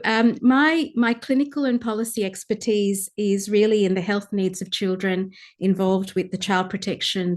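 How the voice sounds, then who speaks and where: Earnest woman giving a speech. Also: mid-range voice. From Sri Lanka. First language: Tamil. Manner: measured and earnest, with frequent pauses to search for words. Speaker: guest speaker, pediatrician. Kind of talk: formal conference address.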